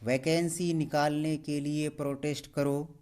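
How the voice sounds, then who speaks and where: Slow-paced male news presenter. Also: a little high, level tone, a little mellow, clear, resonant tone. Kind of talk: scripted news narration.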